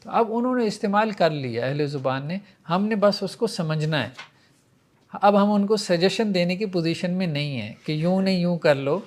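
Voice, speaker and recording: A man teaching Arabic grammar in a classroom lecture, patiently explaining and reciting verb conjugations in a chanting rhythm. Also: high-pitched.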